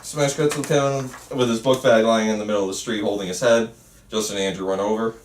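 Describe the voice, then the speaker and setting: Lowish-voiced man reading screenplay directions. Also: steady tone, fast talker. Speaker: stage directions reader. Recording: roomy, faint noise, distant mic.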